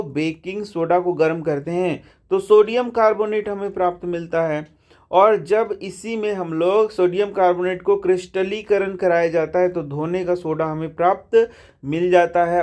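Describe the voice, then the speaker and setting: A man whose voice sits high with a darkish tone teaches a science lesson line by line from the textbook. He's chatty, calls his students "bhai," or brother, and asks questions that he answers himself.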